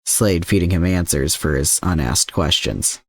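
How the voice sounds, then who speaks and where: A man's voice: low-pitched, a little slow, no room sound, clean studio sound. A man reading scripted fiction aloud as the narrator of an adventure story. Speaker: fan fiction podfic narrator.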